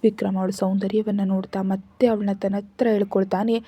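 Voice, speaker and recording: A woman narrating a scripted story in a steady, even reading. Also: medium pitch, a little fast, slightly rough, no echo. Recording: dull lo-fi recording.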